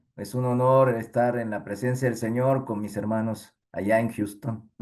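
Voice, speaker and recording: At a fairly slow pace, a man of medium pitch speaks with a monotone, flat intonation. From Argentina, Korean family. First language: Korean (speaking Spanish). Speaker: pastor. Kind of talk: video call interview. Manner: hesitant, many fillers.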